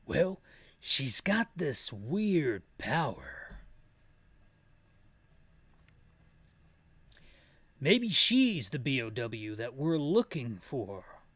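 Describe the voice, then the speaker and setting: A man voicing a blunt, rugged male agent from a video game, with a halting, dramatic delivery. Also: medium pitch, sing-song, a bit bright, husky, no room sound, voice pushed down, exaggerated voice. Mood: serious, pondering. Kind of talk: amateur character voice for game dialogue.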